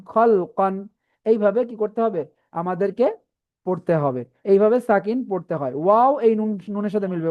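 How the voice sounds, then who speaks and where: A woman teaching a Quran reading class, spelling out letter combinations slowly and often checking in with her students. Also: medium pitch, darkish tone. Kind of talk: online class lesson.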